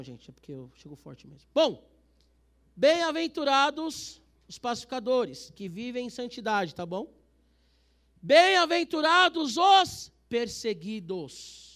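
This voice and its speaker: A young adult man from Brazil preaching a lively, slangy youth sermon, swinging between shouts and quiet asides. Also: sits high. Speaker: youth pastor. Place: church hall.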